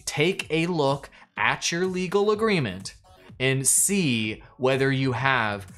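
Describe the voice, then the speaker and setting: A man's voice: medium pitch, slow, a bit bright, soft background music. Chatty man live streaming to viewers. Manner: chatty, addresses viewers directly, promotes patrons. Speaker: live streamer coaching creators. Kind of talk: casual live stream talk. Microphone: desk mic, pulled in closer later.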